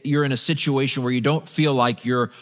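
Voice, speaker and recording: Middle-aged preacher in a reverberant sanctuary. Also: male voice, medium pitch, steady tone, a little fast. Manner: conversational, walks the stage, gesturing with a Bible in hand; frequent restarts and repeated words. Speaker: pastor. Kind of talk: sermon. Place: large church stage with a live congregation. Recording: long reverb of a large sanctuary.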